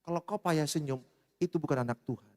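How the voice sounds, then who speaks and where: A man preaching a sermon as pastor, speaking in a humorous, animated way. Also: on the high side, fast talker. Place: church hall. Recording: reverberant church hall.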